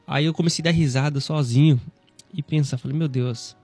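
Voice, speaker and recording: A man in his thirties with a Brazilian Portuguese accent, hosting a devotional radio talk in a conversational, gently preaching way, often tagging lines with "né". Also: on the high side, steady tone, brisk, husky, soft background music. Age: 30s. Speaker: Christian radio presenter.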